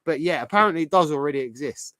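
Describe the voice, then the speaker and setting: Male streamer, hoarse from a sore throat, slightly high voice, dry close sound, rambling host chatter. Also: lively intonation, fast talker, a bit bright, dry recording. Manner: chatty, rambling, thinks aloud while browsing. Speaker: livestream host. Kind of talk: casual livestream chat.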